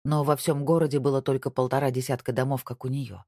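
Audiobook narrator, unhurried, even delivery, mellow timbre, dry studio sound. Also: mid-range voice, no echo. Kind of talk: scripted narration.

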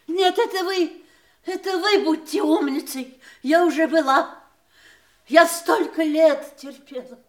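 An actress playing a bitter, wounded middle-aged wife in a theatrical audio drama, with emphatic, anguished delivery. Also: female voice, very high voice, takes it slowly. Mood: sharp, resentful. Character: bitter, wounded ageing wife of a dying famous man. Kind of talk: theatrical Russian radio drama acting.

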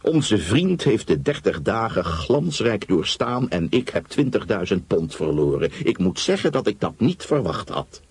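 A male reader voicing an older gentleman who speaks laconically and drily. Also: lowish voice, very animated, a little slow, few pauses, breathy edge, no room sound, heavily acted. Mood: dry. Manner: laconic, dry. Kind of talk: audiobook reading.

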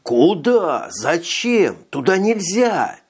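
A man's voice: high voice, big pitch swings, slow, breathy edge, voice pushed up, exaggerated voice. A man voicing an anxious businessman stranded on an alien world, uneasy and full of questions, in an audiobook. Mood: alarmed.

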